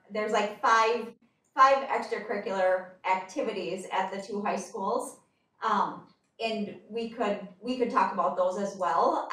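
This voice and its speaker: A woman on district staff explaining budget figures at a school board meeting, careful and hedging, with many pauses and ums, heard over a video call. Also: medium pitch, fairly bright tone. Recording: echoey distant video-call audio.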